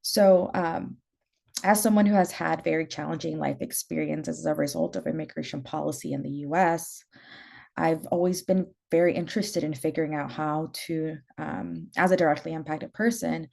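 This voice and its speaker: A young adult woman from El Salvador, speaking on a panel as a community organizer. Her voice is low and gravelly, and she talks thoughtfully, pausing often with fillers. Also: darkish tone. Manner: thoughtful, hesitant with frequent fillers. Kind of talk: panel discussion.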